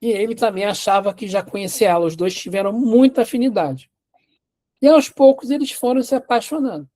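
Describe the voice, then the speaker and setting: Mellow-voiced man retelling a story. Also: sits high, fairly quick. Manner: casual, with many restarts and "né?". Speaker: teacher. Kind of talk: storytelling in a class.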